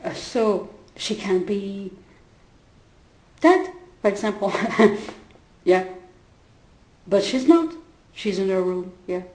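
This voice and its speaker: A woman whose first language is not English, retelling a conversation in a halting way with many fillers and restarts and frequent laughter. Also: mid-range voice, expressive, a little mellow. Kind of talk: casual spoken retelling. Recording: roomy echo.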